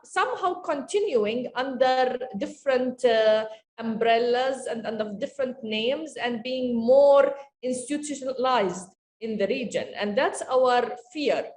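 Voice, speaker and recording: A woman, answering as a panelist in an earnest, measured way with frequent pauses and fillers. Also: on the high side, a little mellow. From Jordan. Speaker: panelist, media organization director. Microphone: video call. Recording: echoey room over a video call.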